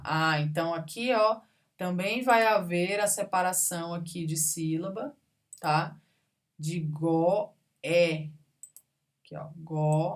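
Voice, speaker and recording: With a low-leaning voice and a measured pace, a woman teaches a recorded grammar lesson. She patiently breaks examples down one word at a time, checking in with the class as she goes.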